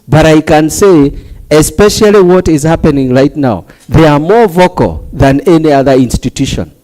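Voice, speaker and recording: A man's voice: on the high side, lively intonation, normal speed, dark tone, low-quality recording. A man with a Kenyan accent, a church leader talking on a television talk show in an earnest, preacherly way and laughing lightly between his points.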